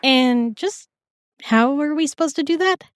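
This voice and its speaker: Woman acting a high-voiced, wry young best friend. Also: a little slow, a little hiss or hum. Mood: sarcastic, skeptical. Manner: sarcastic, casual. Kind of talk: fantasy audio drama acting.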